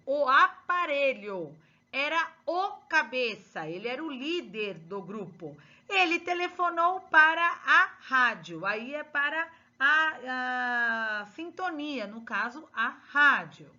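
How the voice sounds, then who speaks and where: A bright-voiced woman teacher works through exercise answers with her pupils, dwelling on each word. Her high voice swoops up and down as she stresses every answer, and the recording is dull and lo-fi. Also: very animated. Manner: slow, emphatic, spelling out answers to pupils. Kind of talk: exercise correction lesson.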